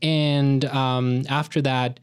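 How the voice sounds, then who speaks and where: A man's voice: mid-range voice, level tone, clear, resonant tone, dry recording. Colombian-born man, middle-aged, reflective interview guest, dry close mic. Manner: thoughtful, halting with many fillers. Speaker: guest, orchestra director. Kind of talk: radio interview.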